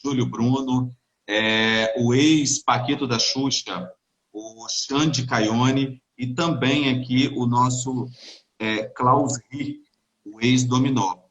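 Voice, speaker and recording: A man's voice: medium pitch, steady tone, slow, fairly bright tone, muffled recording. A male interviewer hosting a live interview, upbeat, greeting audience members by name between his questions.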